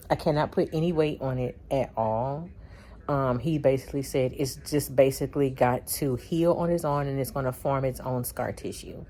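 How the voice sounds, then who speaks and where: A woman's voice: sits low, warm tone. A woman chatting casually in a vlog, laughing often and acting out bits of her story. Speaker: vlogger.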